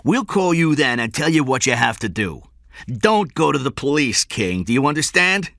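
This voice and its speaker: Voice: medium pitch, very animated, measured pace, pushed and bright, dry recording, clean studio sound, voice pushed up, full character voice. A narrator voicing a menacing male kidnapper on the telephone, hard and commanding. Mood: cold threatening.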